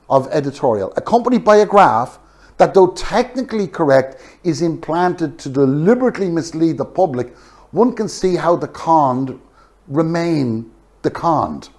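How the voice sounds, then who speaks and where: A man with a fairly high voice gives an opinionated political commentary. His pitch moves in lively, wide swings as he stresses his points. The delivery is emphatic and scornful, built around rhetorical questions. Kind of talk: opinionated monologue commentary on news.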